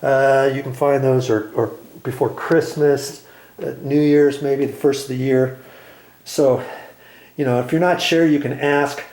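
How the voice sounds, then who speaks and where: A man's voice: mid-range voice, fairly even intonation, unhurried, darkish tone, roomy sound. A man hosting a casual do-it-yourself vlog, chatting in a rambling way as he shows his tools. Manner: chatty, rambling, talks while handling tools. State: out of breath while climbing. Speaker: DIY video host.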